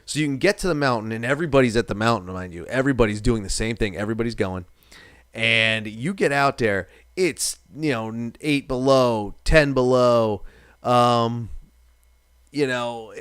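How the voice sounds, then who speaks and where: A man's voice: medium pitch, clean tone, no echo, clean studio sound. A man in his thirties from New England, hosting a live stream in casual, rambling chat, swearing now and then and reading viewer comments aloud.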